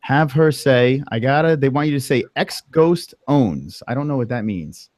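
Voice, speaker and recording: A man's voice: mid-range voice, animated, normal speed, darkish tone, no echo, studio quality. A man with a New York accent hosting a casual livestream interview, joking and laughing often. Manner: joking, laughs often, stumbles over words. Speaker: host.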